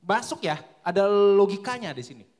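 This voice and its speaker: A young man preaching a sermon, lively and colloquial, asking his listeners question after question. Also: sits high, normal speed.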